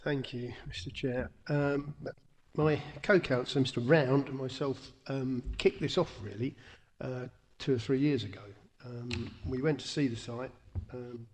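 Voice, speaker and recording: A man's voice: mid-range voice, fairly even intonation, unhurried, a little mellow, slight background noise. A man with an English accent, a councillor speaking off the cuff at a planning committee, hesitant and full of ums. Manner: hesitant, lots of ums, conversational. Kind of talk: unscripted committee remarks. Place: council chamber. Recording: council webcast with long hall reverb.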